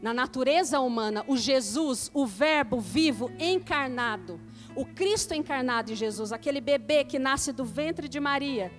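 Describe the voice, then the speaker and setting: A woman pastor preaching a sermon to her congregation, mixing scripture reading with lively asides and call-and-response. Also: high-pitched, moderate pace, faint music behind. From Brazil. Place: church.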